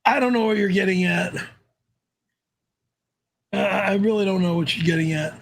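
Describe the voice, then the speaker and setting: A man's voice: high-pitched, moderate pace, vocal fry. A man hosting a live stream, cranky and indignant, swearing often. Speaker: livestream host. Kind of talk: profane live-stream banter.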